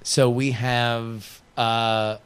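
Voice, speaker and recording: A man co-hosting a podcast, joking around and cursing in a loose, casual chat. His voice sits at an ordinary middle pitch. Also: flat delivery, drawn-out words, smooth. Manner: joking, profane, playful. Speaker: podcast co-host.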